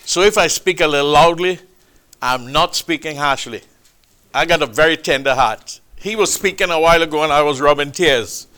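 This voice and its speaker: A man preaching a sermon, with a loud, booming, emphatic delivery, speaking into a microphone in a church hall. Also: normal speed, clear, resonant tone. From Trinidad. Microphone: handheld or stand mic.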